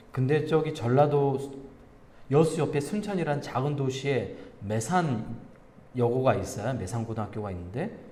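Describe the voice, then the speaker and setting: A male pastor preaching a conversational sermon, asking the congregation questions and telling stories. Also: mid-range voice. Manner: animated, asks the congregation questions, tells anecdotes with laughter. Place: church sanctuary. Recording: reverberant church hall.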